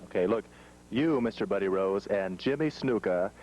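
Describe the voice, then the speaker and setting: A man's voice: on the low side, animated, normal speed, darkish tone, low-quality recording. A man working as a wrestling interviewer in a broadcast interview on an old TV tape. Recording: old TV tape, faint hum.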